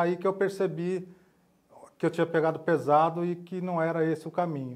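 A man with a Paulista accent against a quiet background. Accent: Paulista Brazilian Portuguese. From São Paulo, Brazil. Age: 40s. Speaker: police officer and drug prevention speaker. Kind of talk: casual interview. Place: studio.

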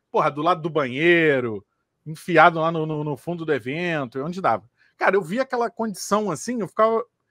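A man's high-pitched voice, lively in intonation and fairly quick, against a quiet background. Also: dry sound with no echo. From Rio de Janeiro, Brazil. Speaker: comic book editor. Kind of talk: casual chat. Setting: livestream. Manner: animated. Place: home room. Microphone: studio mic.

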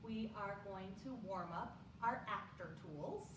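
A woman is speaking. Audible room echo and noticeable background noise surround her voice. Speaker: drama teacher. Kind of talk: remote class introduction. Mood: warm, enthusiastic. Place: home room. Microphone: camera far.

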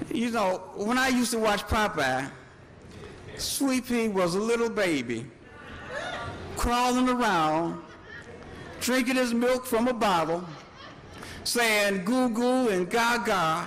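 A man's high voice in an American accent, very slow with long, frequent pauses, very even in loudness, over noticeable background noise. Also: ordinary pitch variation. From Chicago. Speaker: preacher. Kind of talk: sermon.

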